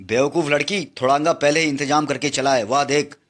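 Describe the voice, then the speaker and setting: A man's voice: a little high, fairly even intonation, fairly quick, fairly bright tone, close to an everyday voice. A man voicing a brutal, greedy male jungle chieftain villain in a comic book reading, with a gloating, mocking manner.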